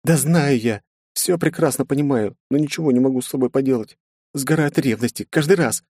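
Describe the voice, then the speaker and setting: A man's voice: medium pitch, darkish tone, no room sound, clean studio sound, voice pushed up, lightly acted. A man reading an audiobook voices a jealous, capricious young princess who pleads and flares up. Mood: tearful pleading. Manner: pleading, clingy, quick to anger.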